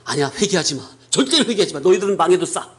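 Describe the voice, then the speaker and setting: Pastor doing a grudging prophet, spiteful mutter, highish man's voice, quick delivery. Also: expressive, fairly bright tone. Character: sulky resentful prophet, grudging man.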